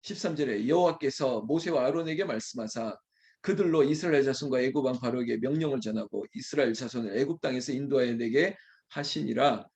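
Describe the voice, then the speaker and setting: A man, a pastor, preaching an early morning prayer sermon in a candid, conversational way, teasing and scolding his small congregation, then quickly apologizing. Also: mid-range voice, darkish tone.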